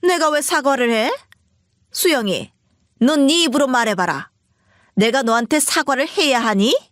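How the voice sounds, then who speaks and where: A woman voicing a pushy, shrill older mother-in-law who scolds and wails indignantly. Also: lively intonation, measured pace, fairly bright tone, no room sound, clean studio sound. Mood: scolding.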